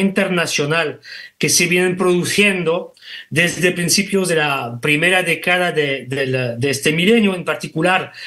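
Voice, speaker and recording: A man's high-pitched voice with a non-native accent and a bright, sharp tone, fairly slow, over a quiet background. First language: not Spanish (speaking Spanish). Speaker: academic speaker; speaker. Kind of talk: lecture. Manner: halting, many fillers. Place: office. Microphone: video call.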